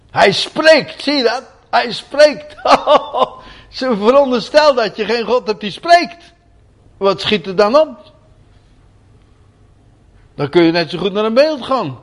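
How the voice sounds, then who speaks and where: An older man preaching a sermon, moving from quiet folksy asides to loud, emphatic repetition of key words. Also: high voice.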